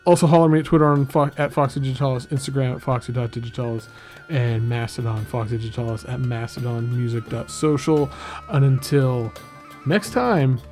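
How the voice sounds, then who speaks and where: A man's voice: mid-range voice, brisk, darkish tone. A man hosting a daily music podcast, reviewing an album in an enthusiastic, rambling way with many fillers and restarts. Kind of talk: casual spoken album review.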